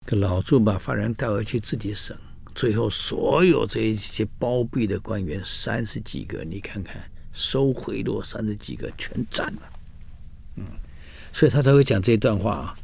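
A man telling history in a casual storytelling style, animated, acting out the quoted dialogue, with many fillers. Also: fairly low pitch, normal speed, gravelly, slight background noise.

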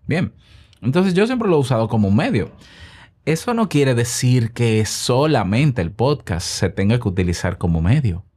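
A man's voice: mid-range voice, very animated, normal speed, a little mellow, husky. A man from the Republic, hosting his own podcast in a chatty, self-promoting way with rhetorical questions. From Dominican Republic. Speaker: podcast host. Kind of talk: solo podcast monologue.

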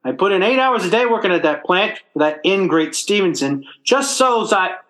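A hapless working-class family man played by a male actor in an old-time radio sitcom. He blusters and stammers in folksy, ungrammatical speech, his pitch lurching up and down. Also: expressive, normal speed, a bit bright. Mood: indignant.

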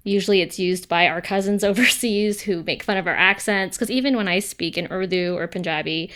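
An American woman in casual chat about a show, enthusiastic and quick to laugh. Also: on the low side, a bit bright. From United States.

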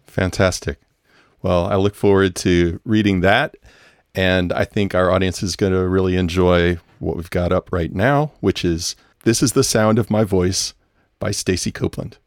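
A man's voice: low-pitched, steady tone, normal speed, no room sound, studio quality. A man hosting an interview, responding with brief, encouraging affirmations and introducing the next segment. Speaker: host. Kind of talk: casual interview talk.

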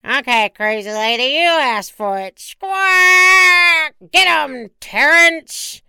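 A woman's voice: high-pitched, lively intonation, takes it slowly, pushed and bright, no echo, voice pushed up, heavily acted. A woman doing a bossy tough-guy penguin chief. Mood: menacing. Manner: threatening, tough-talking.

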